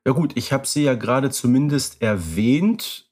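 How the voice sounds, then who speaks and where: A man co-hosting a podcast, speaking in a measured and dryly ironic way. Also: mid-range voice, animated, darkish tone. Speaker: podcast co-host. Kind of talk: casual podcast discussion.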